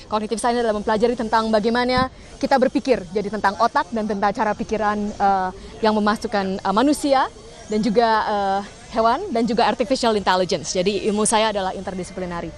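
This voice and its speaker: A woman's voice: medium pitch, fairly even intonation, quick pace. A woman professor introducing herself to reporters, articulate but with many filler sounds. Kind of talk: self-introduction to press. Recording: noisy crowd of reporters.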